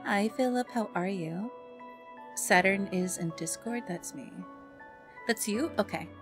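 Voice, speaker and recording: A woman livestreamer chatting casually with viewers in a bubbly, expressive and affectionate way. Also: medium pitch, unhurried. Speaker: live streamer and ASMR content creator. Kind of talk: casual livestream chat with viewers, greeting them and reading messages. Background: background music.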